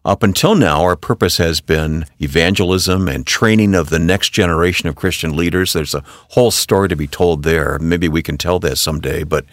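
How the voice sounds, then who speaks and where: A middle-aged male radio host with a very low voice asks measured questions. His voice is recorded close and dry. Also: no room sound. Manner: measured, scripted-sounding questions. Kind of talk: radio interview.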